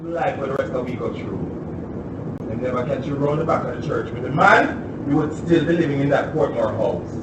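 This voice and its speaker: An actor with a Jamaican accent playing a sharp-tongued young trans woman in a stage play, mocking and biting. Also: mid-range voice, animated, moderate pace, close to an everyday voice. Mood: scornful. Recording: distant echoey stage recording with noise.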